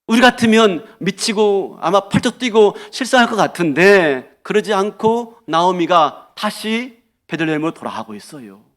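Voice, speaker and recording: A male pastor preaching a sermon in an animated way, often asking the congregation questions. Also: sits high, normal speed, few pauses.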